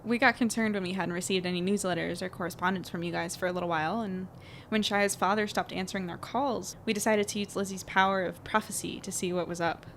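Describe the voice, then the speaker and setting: An earnest, slightly apologetic young traveler, acted by a woman in an audio drama. The voice is medium in pitch and natural, over faint background ambience. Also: steady tone, fast talker, fairly bright tone, a little hiss or hum, lightly acted. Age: young adult. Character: earnest, apologetic young friend on a rescue trip.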